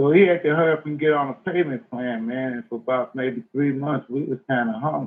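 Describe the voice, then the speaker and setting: Fairly quick speech from a man at a medium pitch, with ordinary pitch variation and hardly any pauses. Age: 60s. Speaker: former street figure recounting history. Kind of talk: podcast interview, casual storytelling.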